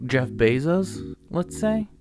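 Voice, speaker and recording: A man's voice: on the high side, expressive, slow pace, music in the background. A young man co-hosting a casual podcast, reading facts from his notes with stumbles and laughing at his own pronunciations. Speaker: podcast co-host. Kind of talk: casual storytelling chat.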